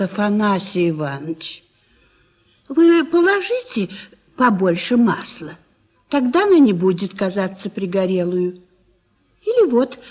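Caring old country wife. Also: female voice, mid-range voice. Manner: solicitous, gently coaxing. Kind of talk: radio play acting.

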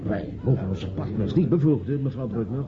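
An actor playing a formal, diplomatic financier in a Dutch radio drama, polite and tactfully hesitant. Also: male voice, on the low side, animated, a little fast, natural voice. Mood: diplomatic, evasive. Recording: muffled radio play recording, crowd murmur.

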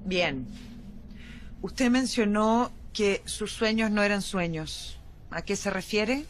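A woman's voice: mid-range voice, slow pace, natural voice. A woman voicing a guarded female doctor who questions a patient in an audio drama. Her voice sits in the middle of her range, and she keeps a composed, professional tone over a faint hiss.

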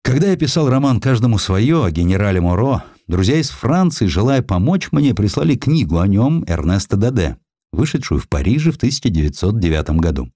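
A man reading historical essays as an audiobook narrator, in an expressive scripted storytelling style. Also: fairly low pitch, a little fast, no room sound, clean studio sound. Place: dry recording studio.

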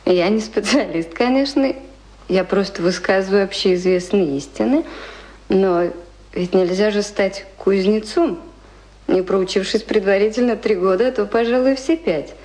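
An actress in a radio play playing a refined, educated young lady who reasons and gently corrects. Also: mid-range voice, normal speed, close to an everyday voice, poor audio. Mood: reasoning, instructive. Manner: genteel, reasoning, mildly reproving.

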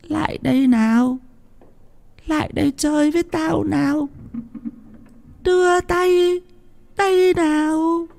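A man voicing a possessed young woman in a ghost story, luring softly and slowly. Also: extremely high pitch, fairly even intonation, gravelly, slight background noise, voice pushed up, exaggerated voice. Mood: eerie luring. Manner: soft, drawn-out luring.

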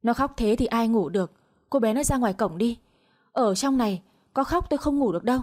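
A woman's voice: on the high side, expressive, brisk, a little mellow, close to an everyday voice. A woman voicing a cruel older mother-in-law who scolds with harsh contempt. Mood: scolding.

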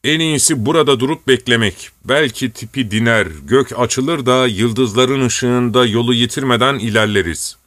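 A man reading an audiobook voices a calm peasant traveler who speaks in a steady, matter-of-fact way. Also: medium pitch, normal speed, hardly any pauses, dry recording, voice pushed up, close to an everyday voice. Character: calm male peasant wayfarer, steady and knowing.

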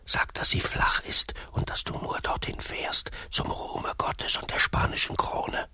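An actor in a satirical radio play, playing a worldly, scheming Catholic priest with an unctuous, paternal, probing manner. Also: male voice, unhurried, bright, forceful tone, no room sound, in a whisper. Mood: scheming, hushed.

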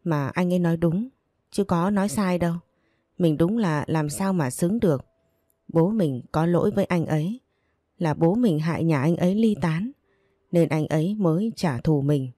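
A woman's voice: fairly low pitch, moderate pace, dark tone, dry recording, clean studio sound, natural voice. A woman reading an audiobook and voicing a heartbroken young wife, choked and self-blaming. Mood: bitter.

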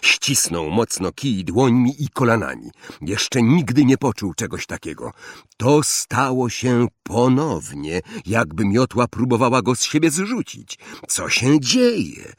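Husky-voiced man reading a story expressively. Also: mid-range voice, very animated, measured pace, no room sound, clean studio sound. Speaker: audiobook narrator. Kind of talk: audiobook reading.

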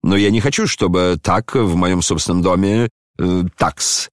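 A man's voice: deep voice, a little slow, no echo, studio quality. A man voicing a tipsy, insolent middle-aged landlord in an audiobook, fawning yet rude and tacking a servile "-s" onto his words.

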